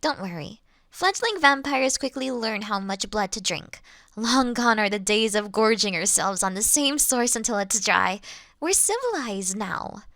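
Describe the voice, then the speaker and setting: A woman playing a polite, reassuring vampire who looks like a child, speaking gently to the listener in an audio roleplay. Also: medium pitch, expressive, unhurried, no room sound, studio quality. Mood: reassuring, businesslike. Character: childlike-looking ancient female vampire, polite, reassuring, mildly wry.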